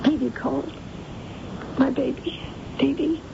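A woman's voice: steady tone, a little slow, creaky. Domineering middle-aged American businesswoman, muffled radio. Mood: anxious, pleading. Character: domineering, wounded businesswoman and controlling mother. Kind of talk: 1970s radio drama acting. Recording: muffled, noisy, rumbly old radio broadcast recording.

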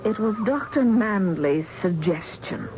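A woman's voice: mid-range voice, animated, unhurried, close to an everyday voice. An actress playing a polite, earnest young woman in a radio drama, speaking in a proper manner. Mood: timid. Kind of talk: radio drama acting and narration. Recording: dull, noisy old radio recording.

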